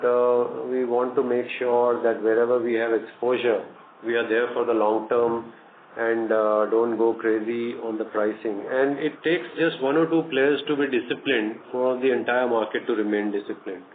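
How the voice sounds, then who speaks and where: An Indian-accented male company executive answering earnings-call questions in a measured, halting, businesslike way over a conference phone line. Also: mid-range voice. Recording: echoey tinny conference phone line, noisy.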